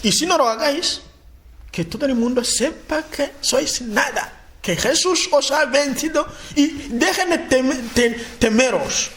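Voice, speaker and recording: A man from Africa preaching a sermon, speaking in halting phrases, restarting and repeating words, often checking in with his listeners. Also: lively intonation, fairly bright tone, slight background noise. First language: a language of his homeland. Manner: chanting repeated proclamations with rising pitch.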